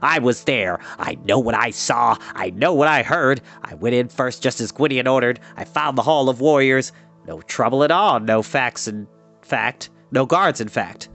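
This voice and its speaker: A man's voice: mid-range voice, normal speed, a bit bright, soft background music. A man voicing a grumpy, short-tempered dwarf who snaps and grumbles. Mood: snappish. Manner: snappish, gruff.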